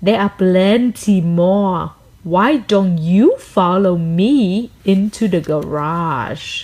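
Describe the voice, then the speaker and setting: In a put-on character voice of medium pitch, a woman speaks at a very slow pace. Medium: read story.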